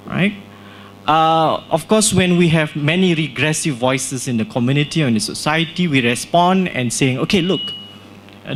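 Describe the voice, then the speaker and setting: A man from Singapore talks about his book at a launch event in a small hall. His voice sits a little high, and he reasons aloud with many tag questions and restarts. A faint hum runs underneath. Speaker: author presenting his book.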